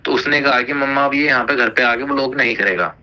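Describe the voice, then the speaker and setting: A man's voice: medium pitch, a little fast, bright, forceful tone. A man with a North Indian accent chatting casually and recounting gossip on a recorded phone call.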